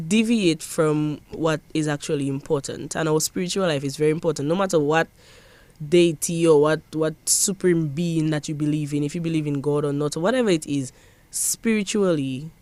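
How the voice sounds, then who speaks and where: A woman's voice: deep voice, a little mellow, no echo. A young woman from Dominica with a Dominican accent, a parliamentary secretary answering interview questions in an earnest, emphatic way with frequent restarts. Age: young adult.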